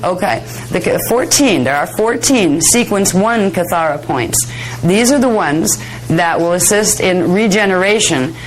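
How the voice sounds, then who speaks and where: A woman with a lowish, slightly hoarse voice lectures to a workshop group. She explains in a chatty, rambling way, full of fillers and small laughs. The recording is an older workshop video with faint music underneath. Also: expressive, measured pace, rough recording. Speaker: workshop teacher. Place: workshop room.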